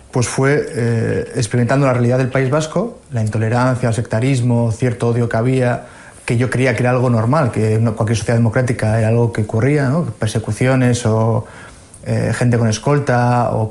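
Over noticeable background noise, a man speaks in a monotone, flat intonation with very even loudness. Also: medium pitch for a man, moderate pace. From Basque Country. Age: 40s. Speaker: historian. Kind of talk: interview.

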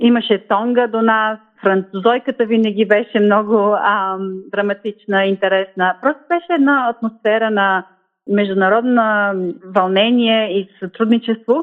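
At a fairly slow pace, this speaker has an unremarkable speaking voice with ordinary pitch variation. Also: woman, fairly high pitch for a woman. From Bulgaria. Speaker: psychologist. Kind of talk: interview.

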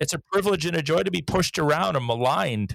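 In a very clean, dry, close recording with a silent background and no echo, a man with a fairly high pitch and vocal fry talks at a fairly quick pace with very wide pitch swings. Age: 40s. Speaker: pastor. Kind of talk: casual chat.

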